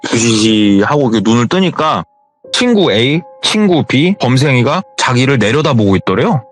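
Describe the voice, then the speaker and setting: A man's voice: medium pitch, sing-song, moderate pace, soft background music. A man casually retelling a true ghost story as a narrator, in a chatty, colloquial way. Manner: colloquial, retells with reported speech.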